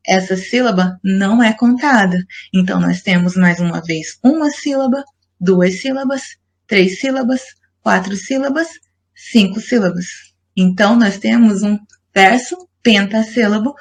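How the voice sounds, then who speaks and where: A woman teacher giving a recorded lesson, explaining step by step and asking her class questions. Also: mid-range voice. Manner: patient, explanatory, asks the class rhetorical questions.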